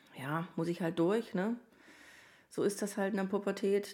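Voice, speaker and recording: This voice has a dark, mellow tone with vocal fry and fairly even intonation. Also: woman. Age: 40s. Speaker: podcast host, single mother. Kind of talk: casual monologue.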